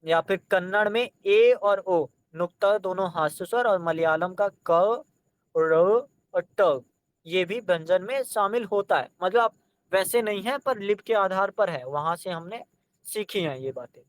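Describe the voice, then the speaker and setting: Male exam-prep teacher, high and smooth voice, dry close sound, sounds out each letter slowly. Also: dry recording. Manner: addresses students directly, coaxing them to try.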